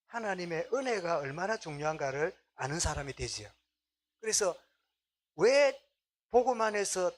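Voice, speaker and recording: Husky-voiced pastor preaching. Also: male voice, high-pitched. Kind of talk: sermon.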